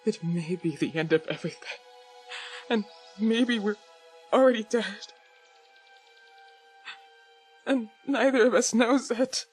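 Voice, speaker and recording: An actress playing a troubled, defiant woman in a horror game, speaking earnestly and deliberately in dramatic, broken phrases. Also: a little high, darkish tone, breathy edge. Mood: resigned. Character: troubled, defiant woman piecing together buried truths. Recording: faint music behind the voice. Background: faint music.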